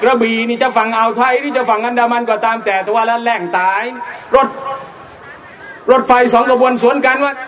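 A man's voice: very high voice, steady tone, brisk. A man giving an Islamic religious lecture, telling jokey stories and mimicking regional dialects. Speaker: Islamic preacher. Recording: live lecture with crowd and background noise.

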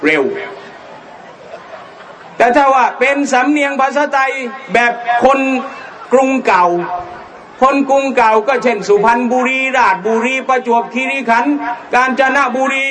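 Man, Islamic preacher, joking storyteller, high voice, audience murmur. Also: a little slow, pauses often. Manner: jokey storytelling, mimics regional Thai dialects. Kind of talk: religious lecture to an audience. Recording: live lecture with crowd and background noise.

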